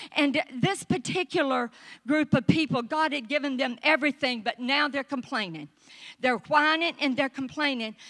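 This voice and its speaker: A woman's high voice with a Southern US accent, at a moderate pace with ordinary pitch variation, dry and close with no echo, on a very clean recording against a silent background. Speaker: pastor. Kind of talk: sermon. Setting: church.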